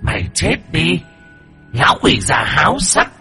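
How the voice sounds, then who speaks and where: A man's voice: on the high side, wildly swooping pitch, a little slow, sharp tone, breathy edge, faint music behind, voice pushed up, exaggerated voice. Man doing a hissing vengeful demon mother. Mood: gloating. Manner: hissing threats. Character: vengeful female mother-demon, cold and cruel.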